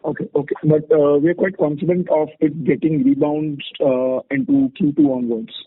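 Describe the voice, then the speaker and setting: A man's voice: a little high, moderate pace, husky. A man with an Indian accent, an analyst asking questions on an earnings call in a deferential, hesitant way. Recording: muffled narrowband phone line.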